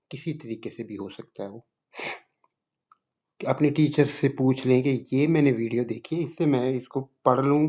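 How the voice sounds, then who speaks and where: Pakistani teacher guy, soft mellow voice, earnest and humble, kinda muffled lo-fi audio. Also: mid-range voice. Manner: earnest, modest, advising. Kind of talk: lesson closing remarks to students. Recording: slightly muffled lo-fi recording.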